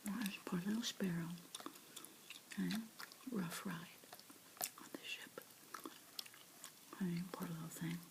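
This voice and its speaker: A woman softly whispering her way through a picture book, slowly and dotingly remarking on the pictures as she reads. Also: fairly low pitch, fairly even intonation, vocal fry, noisy background. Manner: slow, soft, doting commentary on the pictures.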